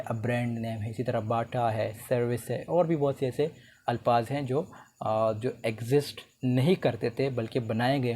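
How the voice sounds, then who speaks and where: A man giving a recorded lecture, reading English definitions slowly and explaining them in a relaxed conversational way. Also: mid-range voice. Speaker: teacher.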